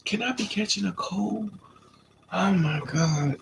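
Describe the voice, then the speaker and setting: A man's voice: high voice, slow, vocal fry, a little hiss or hum. A man with a stuffy nose from a coming cold, chatting casually on a live stream and answering viewers' comments. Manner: relaxed, chatty, talks back to commenters.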